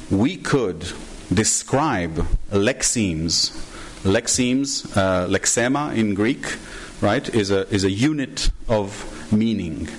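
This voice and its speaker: A man's voice: on the low side, a little hiss or hum. A middle-aged man giving a conference talk from a podium in a large hall, chatty and enthusiastic, often asking the audience "right?". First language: Hebrew. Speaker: conference trainer. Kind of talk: conference presentation.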